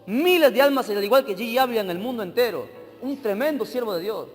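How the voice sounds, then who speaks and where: A male preacher telling a story in a sermon. He swings dramatically between loud emphasis and hushed narration. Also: very high-pitched, expressive, fast talker. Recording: church hall with long reverb, faint music.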